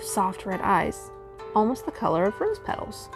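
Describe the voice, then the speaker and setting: Music in the background behind a woman's medium-pitched voice at a moderate pace. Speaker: self-published author.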